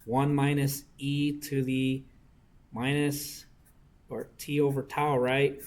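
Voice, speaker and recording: Man, young adult, teaching circuits, slow and deliberate, asks "right?" a lot, typing heard behind. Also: medium pitch, level tone, a little mellow. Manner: keeps checking in with the class, saying "right?" often. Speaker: engineering discussion instructor. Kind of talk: teaching while working circuit problems.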